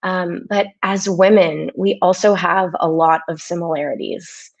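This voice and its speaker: A woman with a normal speaking voice and an American accent talks fairly slowly at a medium pitch, with ordinary pitch variation. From California, US. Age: 30s. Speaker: tech program manager. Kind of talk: prepared keynote speech. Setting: virtual summit, video call. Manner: frequent filler words (um, uh).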